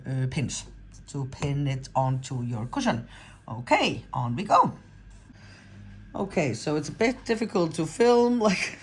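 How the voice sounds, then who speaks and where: A woman's voice: on the low side, a little mellow. A woman in her forties with an Icelandic accent, giving a casual, chatty how-to tutorial and rambling with fillers and self-corrections. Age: 40s. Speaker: crochet pattern designer.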